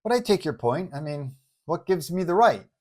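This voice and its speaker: A man's voice: fairly high pitch, big pitch swings, moderate pace, darkish tone, voice pushed up. A man voicing a confident, well-meaning superhero who talks in a breezy, colloquial way in an audio story. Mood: earnest, casual.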